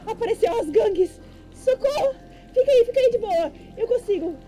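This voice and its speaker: Woman playing a very high, squeaky Brazilian companion. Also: moderate pace, music in the background. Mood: jumpy, excited. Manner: squeaky, excitable. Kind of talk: game role-play.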